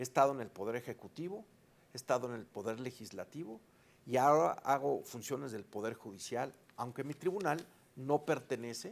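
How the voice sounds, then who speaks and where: In a normal speaking voice, a man talks at a fairly quick pace. His pitch is medium, with ordinary pitch variation. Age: 60s. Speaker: judicial candidate, government lawyer. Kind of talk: interview.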